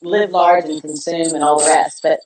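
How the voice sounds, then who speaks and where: A middle-aged woman from the American Midwest, a guest telling her story in a warm, reflective way over a video call. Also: low-pitched, little pitch movement, moderate pace. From Kansas, American Midwest. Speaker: guest, balm founder. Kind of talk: casual video interview. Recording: echoey room, distant mic, background noise.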